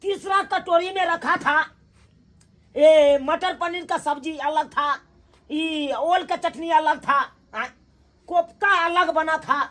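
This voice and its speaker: A woman's voice: sits high, takes it slowly, a bit bright. A woman playing a picky, demanding young male son-in-law in a village comedy skit, scolding and indignant. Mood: boastful.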